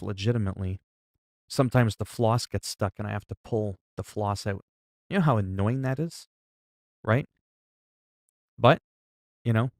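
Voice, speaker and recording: A man's voice: fairly low pitch, darkish tone, no echo, clean studio sound. A man in his forties chatting casually and profanely with stream viewers, rambling and explaining things with everyday examples. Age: 40s. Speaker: livestreamer.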